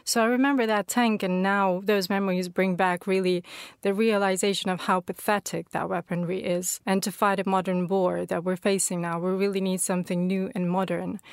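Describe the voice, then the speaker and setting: A woman from Ukraine, a political consultant, speaks as a guest on a radio interview. Her voice is smooth and clear but keeps a level, flat pitch. Her explanations come out earnest and steady, and the sound is dry and close. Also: moderate pace, dry recording.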